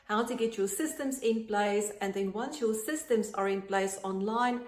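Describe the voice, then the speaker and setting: A woman's voice: medium pitch, a little mellow, echoey room. South African woman in her late forties. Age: 40s. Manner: chatty and earnest, with frequent ums. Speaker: online business promoter. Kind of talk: direct-to-camera pitch.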